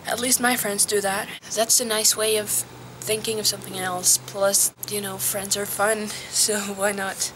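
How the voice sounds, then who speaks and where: A hesitant teenage girl talks through a casual vlog outside, her voice at an ordinary middle pitch. She speaks gently, trailing off and slipping into whispers now and then. A faint hum of outdoor ambience sits behind her. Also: flat delivery, a little slow. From Norway. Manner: soft, hesitant, drops to a whisper at times. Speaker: vlogger.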